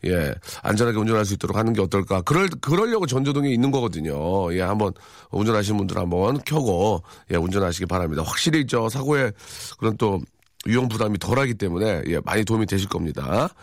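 A man in his forties hosting a live radio show, reading listener messages with dry, teasing deadpan humor. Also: fairly low pitch, quick pace, no room sound. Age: 40s. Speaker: radio host. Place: radio studio. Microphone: studio microphone.

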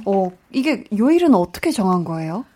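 A woman's voice: mid-range voice, big pitch swings, a little fast, dark tone, a little hiss or hum. A woman hosting a talk show and interviewing guests, bubbly, reacting with short interjections. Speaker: radio show host.

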